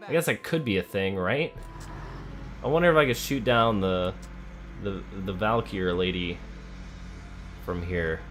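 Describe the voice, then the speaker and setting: Low-voiced man doing game commentary. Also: measured pace, pauses often, a bit bright, faint music behind. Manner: thinks aloud, talks to the game's characters. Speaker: gamer playing a video game. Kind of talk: casual let's play commentary.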